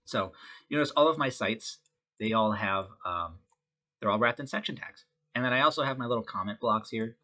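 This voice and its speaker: A man with a congested voice from a head cold, talking through a web coding tutorial in a relaxed way with many fillers. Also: on the low side, fairly quick. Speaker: web design instructor. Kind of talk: screen-recorded coding tutorial.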